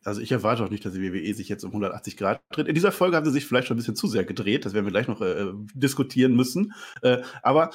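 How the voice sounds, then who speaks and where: A man recapping wrestling matches in a casual podcast, lively and opinionated. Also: medium pitch, very fast, slightly rough. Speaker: podcast co-host reviewing wrestling. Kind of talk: casual podcast review chat.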